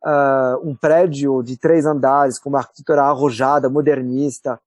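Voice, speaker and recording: Heard in a dry recording, this podcast guest from France, who directs a cultural center, has a medium-pitched voice with fairly even intonation and a moderate pace. His French-accented explanations are thoughtful and full of "ah" hesitations.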